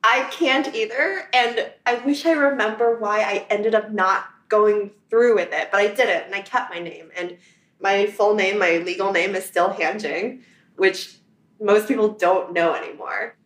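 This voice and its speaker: A woman's voice: mid-range voice, unhurried, a bit bright, roomy sound. A woman from China, an interview guest, telling her story in a reflective, conversational way, recorded in a New York apartment. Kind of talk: casual conversation.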